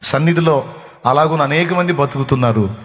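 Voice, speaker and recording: A man's voice: on the high side, normal speed, noisy background. Male pastor, raised voice, fervent repetitive sermon delivery, long hall reverb. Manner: emphatic, repeats phrases, acts out comforting words.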